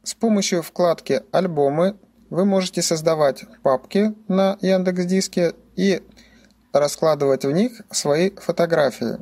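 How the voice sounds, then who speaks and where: A man's voice: a little high, a little slow, darkish tone. A man giving scripted instructional narration as a tutorial presenter, explaining things methodically, step by step.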